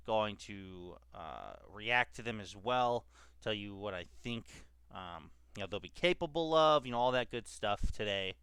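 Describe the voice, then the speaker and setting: Young guy w/ a head cold, chatty gaming talk, lowish voice, dry close sound. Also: pushed and bright, clean tone, dry recording. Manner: chatty, filler-heavy, reads ability text aloud. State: stuffed up from a cold. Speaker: gaming YouTuber and esports journalist. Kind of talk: casual gaming commentary to camera.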